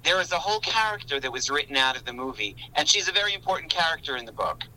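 A man's voice: on the high side, very animated, fast, sharp tone, a little hiss or hum, low-quality recording. A man, a podcast guest, walking through a book's plot in detail during a casual film discussion. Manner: detailed, explanatory storytelling.

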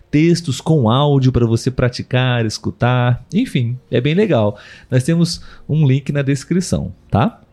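A Brazilian man with a Brazilian Portuguese accent and a medium-pitched, slightly mellow voice hosts a casual live podcast for language learners. He explains things didactically, often restating his points with synonyms.

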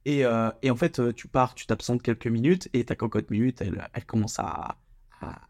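A man's voice: mid-range voice, moderate pace, darkish tone. Young man, solo podcast host; casual slangy delivery, frequent stumbles and repeated words.

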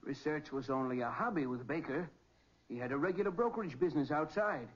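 A male inventor in a 1940s radio mystery, earnest and formal with a touch of unease. His voice is fairly high and husky. The recording is muffled and old. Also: fairly quick. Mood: guarded. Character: earnest male inventor and business partner, proud, slightly uneasy. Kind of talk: 1940s radio crime drama acting.

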